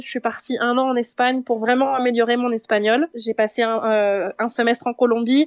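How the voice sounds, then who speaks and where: A woman speaks in a high voice. Her intonation is fairly even. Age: 20s. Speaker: language teacher, former exchange student. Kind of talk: testimony.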